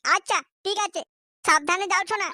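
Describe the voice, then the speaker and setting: A woman's voice: very high voice, brisk, pushed and bright, a little hiss or hum. A woman voicing a cocky young male lover in a comic cartoon, boastful, cajoling and scheming. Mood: sly, reassuring.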